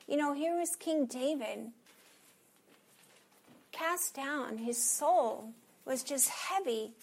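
A woman preaching a sermon in an earnest way, sometimes dropping to a soft hush for emphasis. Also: high-pitched, lively intonation, takes it slowly.

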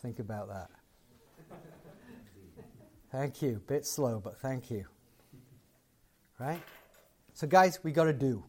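A man's voice: mid-range voice, lively intonation, takes it slowly, pauses often, slight background noise. A man giving a closing sermon and prayer to a live gathering, conversational and building to emphatic points. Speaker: guest preacher.

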